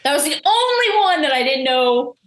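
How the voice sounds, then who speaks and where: Give me an animated woman in an interview, high and bouncy voice. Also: normal speed, echoey room, low-quality recording. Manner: animated storyteller, acts out quoted dialogue. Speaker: eliminated contestant guest. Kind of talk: casual exit interview.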